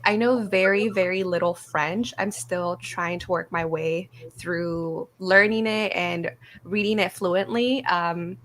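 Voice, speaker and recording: A woman's voice: on the low side, fairly bright tone, a little hiss or hum. A woman whose first language is Spanish, speaking hesitantly on a video call. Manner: hesitant, halting. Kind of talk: casual video-call discussion.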